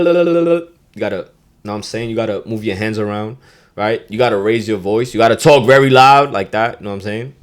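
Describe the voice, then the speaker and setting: A young man hosting a podcast, giving a loose, slangy Spanish lesson, swearing and dropping in Spanish phrases. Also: lowish voice. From Dominican heritage. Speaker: podcast host.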